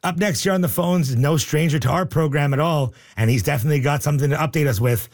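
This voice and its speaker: A man hosting a radio call-in show, upbeat and joking, reading out the phone number slowly. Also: a little high. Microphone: studio microphone.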